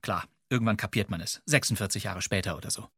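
Husky man narrating in a dry room. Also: on the low side, fast, fairly bright tone, no room sound. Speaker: podcast co-host. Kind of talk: scripted, playful narration.

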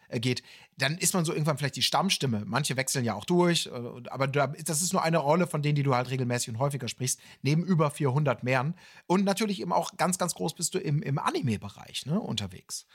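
Husky man, mid-pitched. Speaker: podcast co-host. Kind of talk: casual interview chat.

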